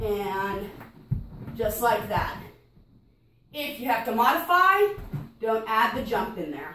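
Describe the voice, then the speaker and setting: With long, frequent pauses, a woman speaks at a very slow pace in a fairly high pitch, with light background noise and audible room echo. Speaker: fitness instructor. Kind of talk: demonstration-style workout tutorial, talking viewers through each exercise. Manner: brisk and clear, rhythmic counting cues. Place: home room. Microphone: camera far.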